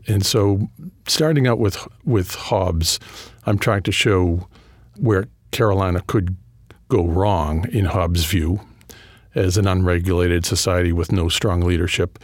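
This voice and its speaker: A middle-aged man with a New England accent, a history professor answering interview questions in a thoughtful, measured way with frequent fillers and restarts. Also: low voice, darkish tone, no echo, clean studio sound. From New England, just outside Boston. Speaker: history professor and author, guest.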